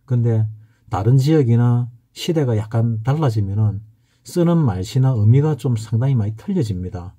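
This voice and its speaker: A middle-aged man from the Gyeongsang region teaches in a casual, anecdotal way, with a strong regional accent. He often pauses and restarts as he wanders through stories. His voice is dark and mellow, with a husky edge. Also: mid-range voice. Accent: Gyeongsang Korean. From Gyeongsang region, South Korea. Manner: rambling, anecdotal, frequent hesitations. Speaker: saju fortune-telling instructor. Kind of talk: casual lecture.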